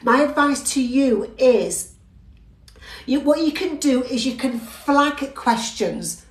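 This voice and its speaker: A woman's voice: sits high, expressive, slow pace, roomy sound, poor audio. A British woman, a driving instructor, giving an upbeat live theory-test lesson and talking straight to her viewers. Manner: upbeat, talks straight to viewers, reads out comments. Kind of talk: live-streamed lesson, chatty and encouraging.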